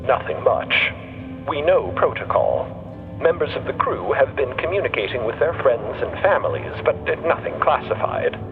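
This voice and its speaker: An actor playing a sly, sardonic male starship crewman in an audio drama, measured and mock-deferential, with dramatic pauses. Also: medium pitch, big pitch swings. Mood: guarded, wry. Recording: tinny narrow-band sound under music.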